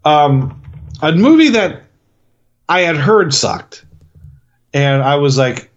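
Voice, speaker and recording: A man's voice: on the high side, animated, slow pace. A man co-hosting a movie review podcast, talking in a rambling, profane way with many restarts. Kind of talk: casual chat. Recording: dull lo-fi sound.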